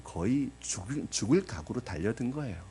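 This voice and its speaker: A man's voice: medium pitch, expressive, normal speed, warm tone, a little hiss or hum. A male pastor preaching a sermon to his congregation, asking them questions and acting out the story's characters with drama. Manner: addresses the congregation with rhetorical questions; acts out the parable's voices dramatically.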